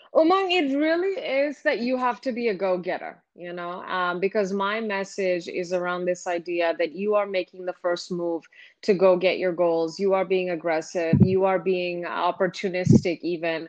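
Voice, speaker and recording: A woman with a plain, everyday voice talks at a moderate pace and medium pitch, with ordinary pitch variation and hardly any pauses. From US (moved from India at nine). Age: 20s. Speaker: media entrepreneur and speaker. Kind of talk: interview. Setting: video call.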